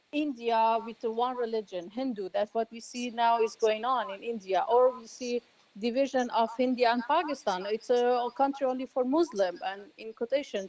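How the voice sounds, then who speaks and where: A woman activist speaking on a panel, a native Arabic speaker, pausing often with many ums and restarts. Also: fairly high pitch, muffled recording, a little hiss or hum. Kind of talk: panel talk.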